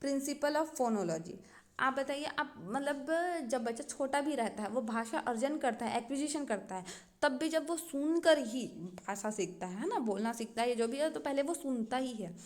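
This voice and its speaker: A woman's voice: high voice, animated, moderate pace. A woman with a Chhattisgarh accent teaching an exam-prep lecture, explaining step by step and often checking in with her students.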